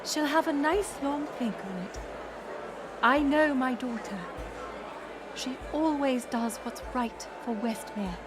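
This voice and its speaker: A woman's voice: sits high, takes it slowly. A woman playing a proud, weary middle-aged queen mother in a dramatic audio roleplay, formal and commanding. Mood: placating, apologetic. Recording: music and crowd murmur behind. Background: music and banquet crowd.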